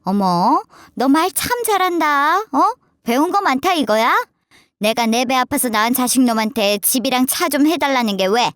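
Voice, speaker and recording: A woman's voice: high voice, expressive, normal speed, fairly bright tone, no echo, studio quality. A woman voicing a scornful, nagging older mother-in-law who scolds sarcastically.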